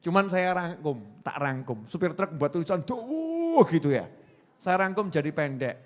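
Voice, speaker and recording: High-voiced Javanese preacher, playful. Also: male voice, sing-song, moderate pace. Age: 40s. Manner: playful, joking, mixing in Javanese, acting out quoted voices. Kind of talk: Islamic sermon.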